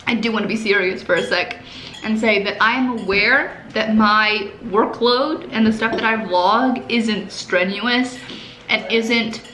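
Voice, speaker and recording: A woman's voice: mid-range voice, bright, forceful tone, low-quality recording. Sarcastic young woman vlogging at home. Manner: chatty, sarcastic, self-deprecating. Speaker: vlogger host. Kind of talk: casual vlog chat to camera. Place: family home indoors. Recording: noticeable background noise.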